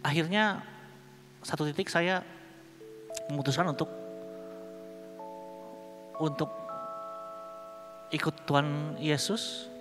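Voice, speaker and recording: Man, slightly high voice, conference preacher sharing a humorous, slangy testimony on a stage mic in a big reverberant hall. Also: takes it slowly, long pauses. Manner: casual, humorous storytelling with slang. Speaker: conference speaker. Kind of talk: personal testimony sermon. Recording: long hall reverb with music underneath.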